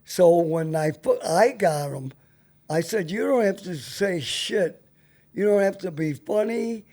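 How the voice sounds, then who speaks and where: Man, seventies, very slow, soft dark timbre, casual reminiscing, blunt radio veteran. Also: high-pitched, animated.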